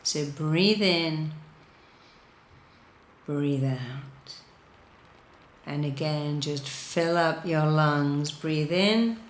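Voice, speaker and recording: A woman with a low voice leads a guided meditation. She speaks very slowly and soothingly, leaving pauses between repeated, deliberate instructions. The sound is roomy and reverberant. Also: slight background noise. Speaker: guided meditation leader, hypnotherapist.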